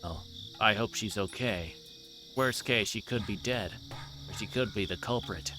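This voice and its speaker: A man's voice: lowish voice, a little slow, noisy background, lightly acted. A man voicing a dogged older police detective near retirement in a visual novel. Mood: probing.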